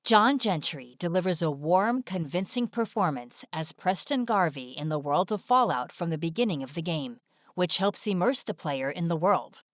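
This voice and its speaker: A woman's voice: on the low side, lively intonation, normal speed, dry recording, studio quality. A woman delivering scripted video essay narration in a polished, presentational manner.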